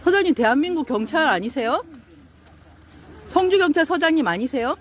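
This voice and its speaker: High-voiced woman scolding police at a protest. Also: lively intonation, fairly quick, slight background noise. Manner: insistent, scolding, repeats demands. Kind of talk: heated street confrontation. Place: outdoors at a street protest.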